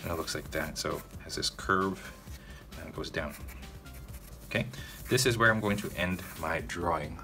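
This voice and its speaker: In a narrated, step-by-step drawing tutorial, the host speaks in a low, bright, forceful voice with faint music underneath. His manner is easygoing, he addresses viewers directly, and he keeps pausing for an "okay?"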